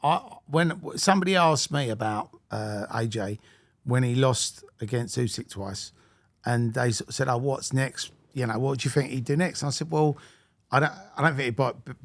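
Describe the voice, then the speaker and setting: A man chatting casually as a sports interviewer, starting his sentences haltingly with repeated words. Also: medium pitch, dry recording.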